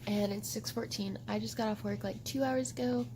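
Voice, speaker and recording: A woman book vlogger chatting casually to camera at home, animated and overdramatic, with lots of "like". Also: medium pitch, brisk, noisy background. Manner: animated and overdramatic, heavy use of "like". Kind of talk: casual vlog chat to camera.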